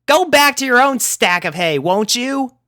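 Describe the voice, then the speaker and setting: A man's voice: extremely high pitch, animated, unhurried, sharp tone, dry recording, studio quality, pitched above the performer's own voice, full character voice. A man voicing a brash, tomboyish young female pegasus pony who talks boldly and gets easily exasperated. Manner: bold, exasperated.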